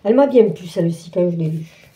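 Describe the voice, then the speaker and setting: A woman's voice: lowish voice, fast talker, dark tone. A woman hosting a craft channel, chatting through an unboxing with many fillers and restarts. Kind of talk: casual unboxing walkthrough.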